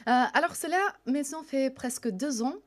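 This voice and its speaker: A woman's voice: high voice, moderate pace, no room sound. Woman hosting, dry studio sound. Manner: polite, welcoming. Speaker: talk show host. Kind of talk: radio interview.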